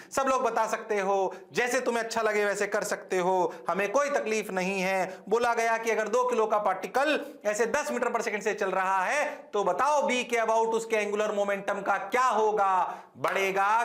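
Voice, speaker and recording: A male physics teacher giving a classroom lecture, playful and teasing, firing quick questions at his students. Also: sits high, fairly bright tone, roomy sound.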